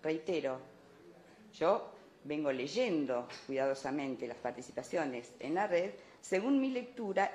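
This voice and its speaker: A woman's voice: lowish voice, a little mellow. A woman speaking as an academic at a conference, addressing an audience emphatically, with repetition and rhetorical questions. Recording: echoey room, light background noise.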